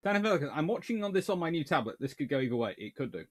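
A man's voice: fairly high pitch, racing, slightly rough. Rambling man chatting on a livestream. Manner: rambling, animated, with many restarts and fillers. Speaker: naval history livestream host. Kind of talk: casual livestream chat reading viewer comments. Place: small home study with shelves of books.

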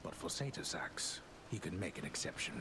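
An actor playing a solemn, dry-humored narrator in a video game, with a deep, hushed voice. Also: male voice, very animated, normal speed, whispered, poor audio. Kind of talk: game voice acting.

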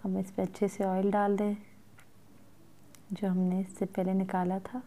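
A woman cooking in her home kitchen, calmly explaining each step of a recipe to her viewers as she stirs at the stove. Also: medium pitch, measured pace. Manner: calm, instructive, addresses viewers directly. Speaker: cooking vlogger.

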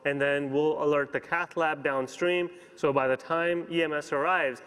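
A man in his thirties giving a conference keynote as a physician, explaining briskly and checking in with "you know" and "okay?" on a lapel mic. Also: a little high, fairly even intonation, fairly bright tone, clean tone. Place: large conference hall stage. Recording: long hall reverb.

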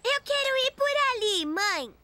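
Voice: very high voice, sing-song, measured pace, heavily acted. A performer voicing a curious, eager preschool boy in a Brazilian cartoon dub, with simple, inquisitive childlike phrasing. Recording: music behind the voice.

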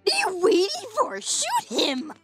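A woman's voice: extremely high pitch, huge pitch swings, a little slow, faint music behind, exaggerated voice. A woman voicing cutesy, brash cartoon skeletons and children in a playful, exaggerated comic dub style. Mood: cutesy, excited. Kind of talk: comic dub character acting.

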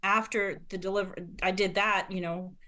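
A woman's voice: medium pitch, steady tone, moderate pace, bright, forceful tone. A middle-aged woman giving a matter-of-fact account of her church ministry on a video call. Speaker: church member and deliverance minister. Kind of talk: casual testimony on a video call. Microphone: laptop webcam video call.

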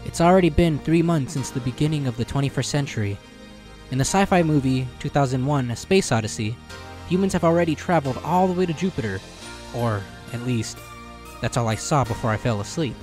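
A man's voice: medium pitch, lively intonation, fairly quick, darkish tone, natural voice. Man voicing an earnest teenage boy over music. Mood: matter-of-fact narration. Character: polite, easily flustered teenage boy narrating his mission. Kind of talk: fan-dub narration and dialogue. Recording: music behind the voice.

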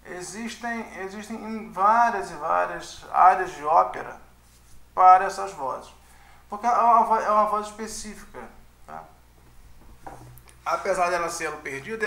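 A man's voice: sits high, pushed and bright. A man giving a casual music lesson, chatty and often checking in with his listeners. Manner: chatty, with frequent tag questions. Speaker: music teacher. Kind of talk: casual online lecture. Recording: roomy echo.

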